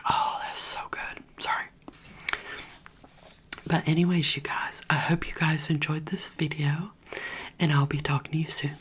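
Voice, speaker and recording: A woman's voice: deep voice, flat delivery, measured pace, long pauses. A woman whispering in a rambling, chatty way, talking straight to her viewers for an ASMR video. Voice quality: breathy whisper. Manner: rambling, chatty, addresses viewers as "you guys". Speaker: ASMR creator. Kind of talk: whispered ASMR gossip chat. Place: indoors at home, heater running.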